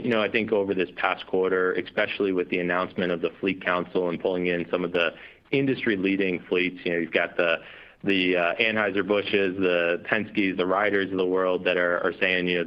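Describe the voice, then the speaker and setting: A man's voice: low-pitched, little pitch movement, brisk. A man speaking as a company executive on an earnings call, explaining things in spontaneous business language with conversational tags. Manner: explanatory, frequent you know and right as tags. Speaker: company executive answering analyst questions. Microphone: conference call line. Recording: dull, lo-fi conference call audio.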